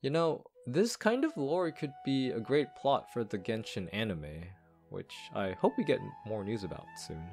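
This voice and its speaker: Low-voiced man with lively intonation. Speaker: game reviewer and lore commentator. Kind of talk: scripted video commentary on a game story.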